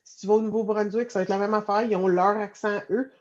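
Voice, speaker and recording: A woman's voice: mid-range voice, fairly even intonation, fast talker, darkish tone. Franco-Ontarian woman, casual group talk, rambling delivery, dull recording. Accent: Franco-Ontarian French. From Ontario, Canada. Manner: rambling, many restarts and fillers. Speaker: guest in group discussion. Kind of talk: casual conversation.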